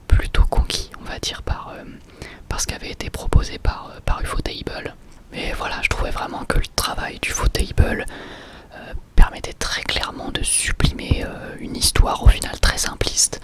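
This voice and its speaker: Whispering man, ASMR chat. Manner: hesitant, halting, self-correcting. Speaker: ASMR video creator.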